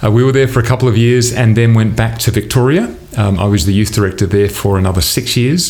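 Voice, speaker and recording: With an Australian accent, a man speaks very fast at a medium pitch, with hardly any pauses, very even loudness and ordinary pitch variation against noticeable background noise. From Adelaide, South Australia. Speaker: church leader, pastor. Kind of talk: interview. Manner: halting.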